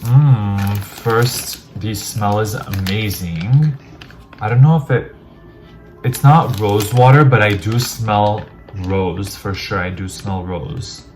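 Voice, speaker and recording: Chatty low-voiced man unboxing. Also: slow, darkish tone, soft background music. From Armenian heritage. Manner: chatty, rambling, self-deprecating. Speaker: vlogger. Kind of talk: casual unboxing chat.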